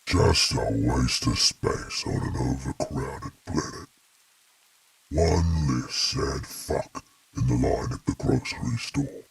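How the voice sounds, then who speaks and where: A man voicing a cruel, mocking male demon with a harsh, raspy, gravelly voice. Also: a bass voice, expressive, dry recording, recorded from a distance, heavily acted. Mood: taunting. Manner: taunting, slow and contemptuous.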